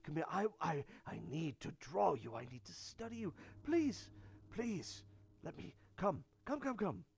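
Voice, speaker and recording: A man's voice: sits high, big pitch swings, a little slow, gravelly, slightly rough, voice pushed up, full character voice. A man voicing a fawning, eccentric male scholar who gushes and pleads over small creatures. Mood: gushing. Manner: gushing, breathless pleading.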